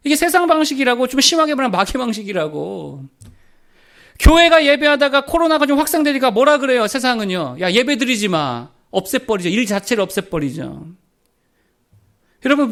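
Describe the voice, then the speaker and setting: A middle-aged man delivers a church sermon in a notably high voice. He asks his listeners one rhetorical question after another. When he quotes people, he sinks into a lower, quieter tone. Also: vocal fry. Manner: rhetorical questions, drops to a low voice for quoted lines. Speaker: pastor.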